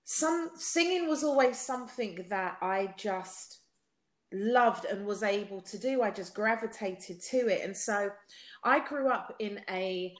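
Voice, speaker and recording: A woman in her forties chats animatedly as a guest, laughing easily and often restarting her sentences. Her voice sits at an ordinary middle pitch. The room around her rings with noticeable echo. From United Kingdom. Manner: animated and chatty, quick laughs, many restarts. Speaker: guest singer. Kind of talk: casual interview chat. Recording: echoey room.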